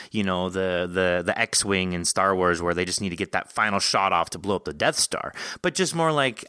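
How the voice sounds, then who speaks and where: A man hosting a podcast interview in a conversational way, thinking aloud with halting, rambling questions. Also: fairly low pitch, pushed and bright, no echo, studio quality. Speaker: podcast host interviewing an author.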